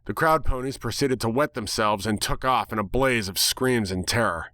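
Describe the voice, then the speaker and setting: A man reading a first-person story as narrator in a wry, deadpan manner. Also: mid-range voice, moderate pace. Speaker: narrator, dramatic reader.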